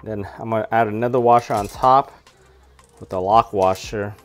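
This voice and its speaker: A man in his thirties giving a relaxed, step-by-step how-to walkthrough of a tool project in his home garage. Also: fairly low pitch, moderate pace, soft background music. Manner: relaxed, practical, explains step by step. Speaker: DIY garage tool reviewer. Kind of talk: casual how-to narration.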